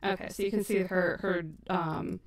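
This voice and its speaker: A woman chats casually while editing on a livestream, self-deprecating and quick to laugh. Her fairly low voice has a gravelly fry, and she sits back from an echoey mic. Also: fairly even intonation, a little hiss or hum. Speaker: audio drama creator and host. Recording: echoey stream mic from a distance.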